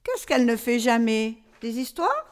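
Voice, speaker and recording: A woman's voice: on the high side, very animated, moderate pace. A woman playing a patient, easily flustered storyteller who coaxes a child along in a comic radio dialogue. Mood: coaxing. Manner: hesitant, coaxing, as to a child.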